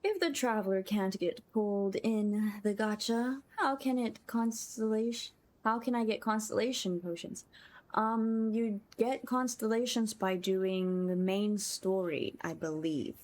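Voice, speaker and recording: Music plays while this woman livestreams a game, chatting in an easygoing, enthusiastic way and thanking viewers repeatedly. A content creator, she has an unhurried, mid-range voice with a darkish tone.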